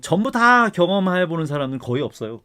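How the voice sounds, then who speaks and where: Animated man ranting about art. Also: sits high, brisk, clean tone. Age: middle-aged. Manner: heated ranting that drops to soft asides. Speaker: art professor and channel host. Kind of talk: casual lecture to camera.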